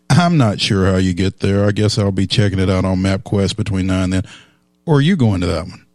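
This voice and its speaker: A man co-hosting a local sports radio show, easygoing and unhurried, with plenty of ums. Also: low voice, darkish tone, no room sound, clean studio sound. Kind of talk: casual sports talk radio.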